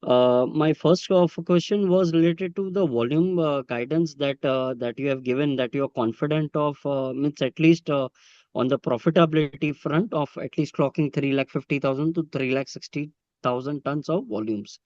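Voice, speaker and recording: Man, Indian accent, slightly high voice, halting polite questioner, dry dull conference-call sound. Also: a little mellow, dry recording. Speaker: caller asking questions on an earnings call. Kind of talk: hesitant question-and-answer on a business call. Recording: muffled, lo-fi conference call audio.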